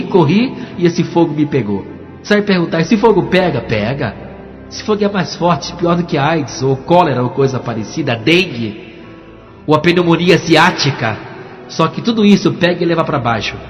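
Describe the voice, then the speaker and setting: A man, a pastor, telling his testimony in a dramatic preaching style that moves between hushed and emphatic. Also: a little high. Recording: echoey, dull, music underneath.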